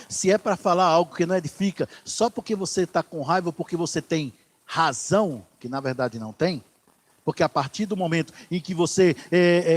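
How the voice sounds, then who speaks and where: A pastor preaching a sermon in church, swinging from loud declarations to hushed asides. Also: male voice, high voice.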